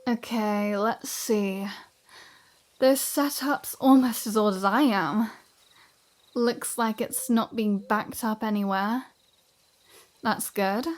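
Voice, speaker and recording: A woman's voice: mid-range voice, fairly even intonation, takes it slowly, long pauses, lightly acted. Sardonic flirty vampire woman, acted by a woman. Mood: wry, breezy. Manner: sarcastic, foul-mouthed, breezy banter. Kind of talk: scripted ASMR roleplay audio drama.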